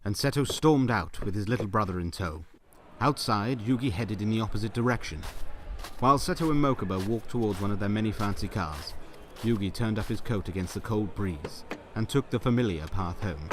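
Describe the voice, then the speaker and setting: A man's voice: fairly low pitch, a little fast, a little hiss or hum. A man narrating a scripted story as the narrator of a fan audio drama.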